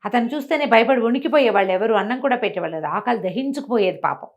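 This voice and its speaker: A woman telling moral tales aloud in an animated, conversational way, explaining as she goes and acting out dialogue. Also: fairly high pitch, rapid-fire. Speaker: storyteller.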